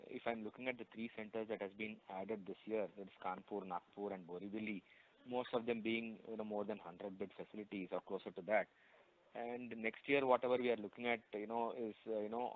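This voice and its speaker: Indian male analyst on a tinny phone. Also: on the low side. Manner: hedging, roundabout, polite. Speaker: financial analyst asking questions. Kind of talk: investor call questioning. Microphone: telephone. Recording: narrowband tinny phone line.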